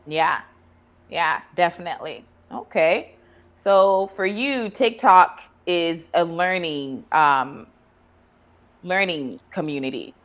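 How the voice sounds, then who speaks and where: A woman in her thirties from Ghana, hosting a casual interview. Her voice sits a little low, and she asks friendly, curious questions and laughs easily. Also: slow pace, a bit bright. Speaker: therapist and podcast host.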